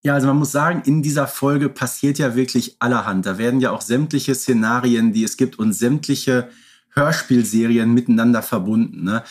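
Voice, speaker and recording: A man's voice: mid-range voice, moderate pace. A man co-hosting a podcast, talking casually and colloquially, often adding little tag questions. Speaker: podcast co-host.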